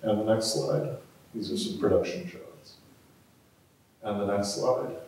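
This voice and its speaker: A man with a lowish voice moderates a panel in a large hall, relaxed and halting, with plenty of fillers. He sits well back from the mic, so his words come through heavy room echo and a faint rumble. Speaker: theatre company leader moderating a panel. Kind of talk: panel discussion with slides. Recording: echoey hall, mic far off.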